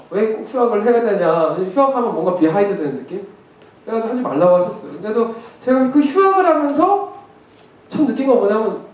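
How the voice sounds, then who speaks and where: A male pastor preaching a sermon, telling a personal story with emphatic repetition. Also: very high voice. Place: church sanctuary. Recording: very echoey church hall from far off.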